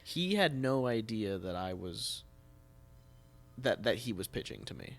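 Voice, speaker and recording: A man hosting a podcast, chatting casually in a halting, hesitant way. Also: lowish voice, very animated, gravelly. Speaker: podcast host, theatre producer. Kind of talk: casual chat.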